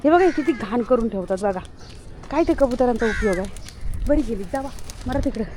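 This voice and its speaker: A high-pitched woman filming a casual home vlog out on a rooftop terrace. She chats freely to her viewers and switches into a sing-song, coaxing tone for her pets. Faint hiss sits behind her voice. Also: lively intonation, fairly quick, darkish tone, rough recording. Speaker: vlogger.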